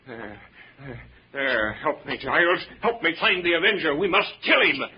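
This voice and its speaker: An actor playing a fanatical mad scientist in a theatrical, imperious old radio drama style. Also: male voice, a little high, sing-song, normal speed, breathy edge, heavily acted. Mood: agitated. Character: mad scientist professor, commanding, fanatical villain. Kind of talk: 1940s radio drama acting. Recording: noisy, muffled old radio recording.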